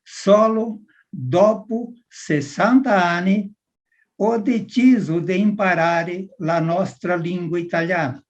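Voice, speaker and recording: A man in his eighties, a language student, giving a short recorded testimonial in a careful, measured way. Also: sits high. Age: 80s. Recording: dull lo-fi recorded clip.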